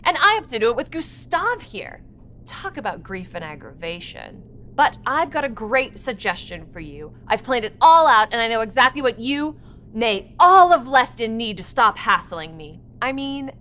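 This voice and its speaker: A woman's voice: a little high, big pitch swings, normal speed, bright, forceful tone. An actress playing a bossy, sarcastic woman in a comedy audio drama, exasperated and impatient. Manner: sardonic, impatient.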